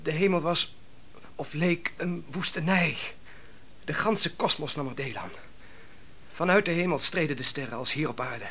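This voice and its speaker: An actor playing an exhausted young shepherd turned soldier in a Dutch radio play, deferential, halting and reflective. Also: male voice, a little high, bright, forceful tone, slight background noise. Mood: tired, dreamy. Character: weary young male shepherd turned soldier, honest, haunted.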